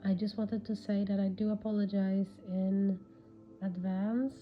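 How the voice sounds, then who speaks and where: Female spiritual podcast host, congested and raspy, very unhurried, dull lo-fi sound. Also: mid-range voice, little pitch movement. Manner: hushed, hesitant, with long pauses. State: has a cold, irritated throat. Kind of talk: unscripted spiritual guidance talk. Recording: dull lo-fi audio with background music. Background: music.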